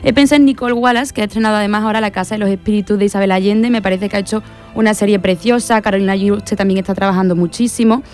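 A woman's voice: medium pitch, steady tone, racing, a little mellow, faint music behind. A woman co-hosting a radio show, effusive and gushing. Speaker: radio co-host. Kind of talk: radio chat.

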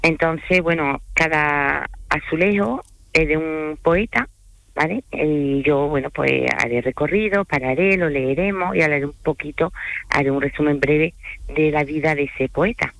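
A woman's voice: sits low, measured pace, fairly bright tone, no room sound, poor audio. A middle-aged woman, a native French speaker, talking casually as a guest on a radio interview about her guided tours, often tagging sentences with "vale?". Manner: chatty, frequent "¿vale?" tags and fillers. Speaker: tour guide and company manager.

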